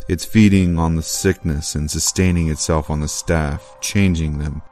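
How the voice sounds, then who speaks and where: Extremely deep male horror trailer narrator. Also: fairly even intonation, moderate pace, a little mellow, soft background music.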